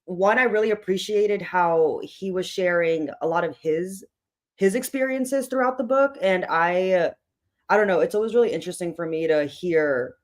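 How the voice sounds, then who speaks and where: Hoarse, chatty book club host. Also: medium pitch, normal speed. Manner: chatty, loose, with many fillers. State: hoarse, voice tired. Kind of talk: casual opening of an online book club meeting.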